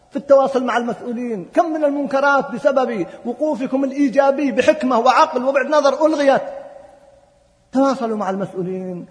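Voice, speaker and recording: A man giving a religious lecture and answering audience questions, speaking emphatically and building to forceful appeals. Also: very high-pitched. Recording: long hall reverb.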